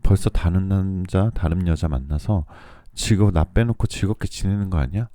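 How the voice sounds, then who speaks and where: A man reading tarot for listeners in a soothing, polite, measured radio-like style, his voice still recovering from a throat cold. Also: sits low, mellow, no room sound, studio quality. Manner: soothing, polite, measured delivery meant to lull listeners to sleep. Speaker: tarot reader and channel host.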